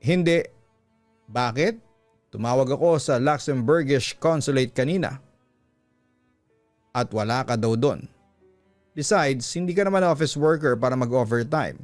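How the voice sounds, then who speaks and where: A man's voice: mid-range voice, measured pace, long pauses, no echo, natural voice. Man voicing a jealous, sarcastic Filipino wife. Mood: sarcastic, suspicious. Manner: sarcastic, accusing, pointed. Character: jealous, sarcastic wife confronting her husband. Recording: music bed behind close dry voice.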